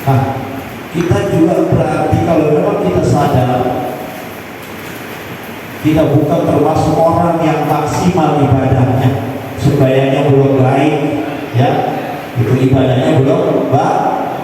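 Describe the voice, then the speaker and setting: A man preaching in a big mosque hall, his voice coming from far off and ringing with a long echo. He speaks in a casual, colloquial way, full of rhetorical questions, and chants Arabic verses. His voice sits a little high, over steady room noise. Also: unhurried, long pauses. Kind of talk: mosque study sermon.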